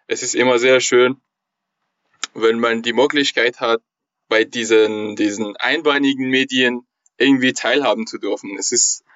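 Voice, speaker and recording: A man's voice: medium pitch, fairly even intonation, normal speed, fairly bright tone, no room sound. Man, hesitant, dull remote audio. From Iran. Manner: hesitant, searching for words with many fillers. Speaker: guest. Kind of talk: casual interview conversation.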